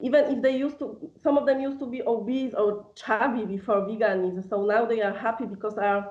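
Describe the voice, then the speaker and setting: A woman's fairly high voice in a Polish accent, fairly quick with hardly any pauses and ordinary pitch variation. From Poland. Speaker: carnivore diet advocate. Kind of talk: debate. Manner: halting.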